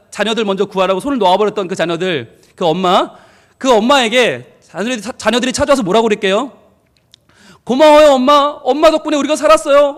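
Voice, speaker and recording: A middle-aged man preaches at a family service in a notably high voice. His pitch swings widely as he tells stories and voices family quarrels. He keeps turning to the congregation with questions. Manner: lively storytelling, acting out quoted family arguments. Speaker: pastor.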